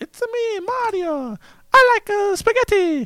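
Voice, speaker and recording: In a put-on character voice, a man talks at a moderate pace with an extremely high pitch. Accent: Italian. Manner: playful, silly.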